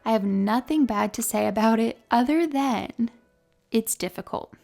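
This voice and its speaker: Woman, 20s, New York accent, calm and mellow, slightly high voice, lots of vocal fry, vlog storytelling. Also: unhurried, faint music behind. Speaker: beauty vlogger. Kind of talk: storytelling monologue to camera.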